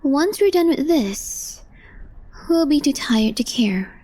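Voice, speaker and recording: A woman playing a calm, deadpan young female coworker with a hidden crush in a soft, breathy ASMR role play, gently teasing the listener. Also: high voice, slow. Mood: composed, practical. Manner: cool, matter-of-fact, gently teasing.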